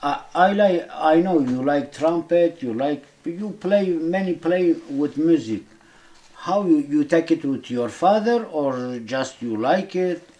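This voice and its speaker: A man with a Kurdish accent interviewing casually in simple, halting non-native English, often repeating words. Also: a little high, animated, mellow.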